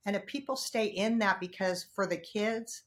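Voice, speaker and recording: A woman's voice: mid-range voice, normal speed. A woman co-hosts a casual podcast chat with a mid-range voice. She speaks earnestly and with emphasis, building her point step by step. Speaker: podcast co-host.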